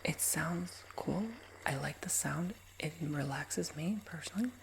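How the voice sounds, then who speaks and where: A man in his twenties with a nasal, raspy voice, giving a soft, rambling ASMR whisper with many fillers. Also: on the high side, unhurried, slight background noise. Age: 20s. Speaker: ASMR creator.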